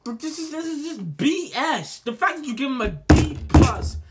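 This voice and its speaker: A man's voice: very high voice, very animated, normal speed. A man arguing in a heated sports debate, stammering and repeating himself, saying he is losing his voice.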